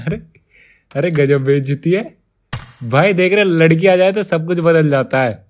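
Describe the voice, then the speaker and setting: Young man, gaming host, slightly high pitch, playful, teasing, pleading tone. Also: unhurried. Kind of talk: casual prank gaming commentary.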